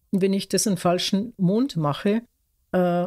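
In a very clean recording with a silent background, a woman uses a normal speaking voice at a moderate pace and medium pitch. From Tyrol, Austria (mountain farm). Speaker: author and lunar calendar expert. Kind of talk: interview.

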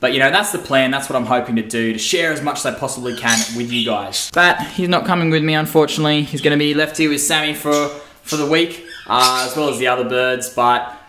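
Background noise is noticeable throughout. Over it, a man speaks very rapidly. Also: ordinary pitch variation. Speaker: wildlife vlogger. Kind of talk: casual vlog chat. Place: home room. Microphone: phone near.

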